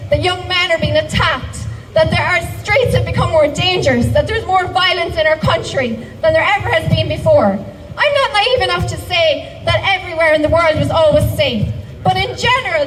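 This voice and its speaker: Woman, high voice, impassioned rally speech, distant mic, music behind. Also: a bit bright. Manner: impassioned, rhetorical questions to the crowd. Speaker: rally speaker. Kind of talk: outdoor protest speech. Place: town square outdoors.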